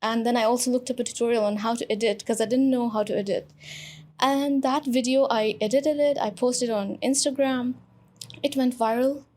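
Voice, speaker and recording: A woman's voice: a little high, steady tone, normal speed, darkish tone. A young woman from Pakistan, a guest in an interview, telling her story in a chatty way with many fillers. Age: young adult. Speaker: guest, influencer. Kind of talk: casual interview conversation.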